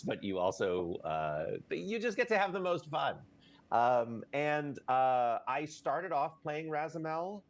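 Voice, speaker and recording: A man chatting casually as an interview guest on a video call, in an animated, self-effacing way. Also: on the low side. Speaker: guest, voice actor.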